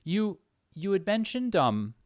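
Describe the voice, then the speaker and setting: A man chatting casually as an interviewer, informal and halting as he rambles toward his questions. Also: sits high, very animated, no room sound, studio quality. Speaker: interviewer, channel host. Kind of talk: casual chat.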